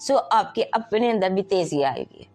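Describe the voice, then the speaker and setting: A woman astrologer with a Pakistani Urdu accent, giving a weekly horoscope in a relaxed conversational way, slipping into English phrases and pausing to hesitate. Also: medium pitch, faint music behind.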